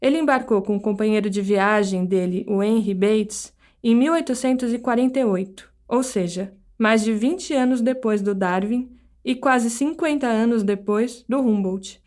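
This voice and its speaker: Brazilian woman podcast host, scripted narration, measured storytelling, voice a touch high. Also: a little mellow. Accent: Brazilian Portuguese.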